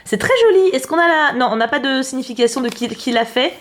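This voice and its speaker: A woman's voice: high voice, fast, fairly bright tone, slight background noise. A woman talking casually as she unboxes a parcel on camera, chatty and exclamatory, thinking aloud as she goes. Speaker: YouTuber host.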